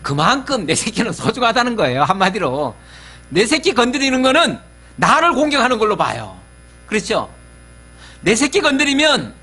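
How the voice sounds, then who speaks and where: A man's voice: high voice, pushed and bright, slightly rough. A male pastor giving a conversational sermon, often asking his listeners questions.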